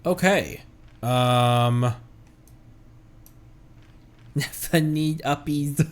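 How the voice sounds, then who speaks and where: A man's voice: fairly high pitch, extremely slow. A man streaming a video game with casual, playful live commentary, reacting and exclaiming as he plays. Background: faint game music.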